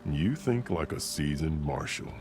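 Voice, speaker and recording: An actor playing a stern, proud tribal warrior chief in a video game, speaking in a solemn, formal, measured way. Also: male voice, extremely low pitch, lively intonation, noisy background. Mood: grave, proud. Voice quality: gravelly. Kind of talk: dramatic video game acting. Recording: loud music behind the voice.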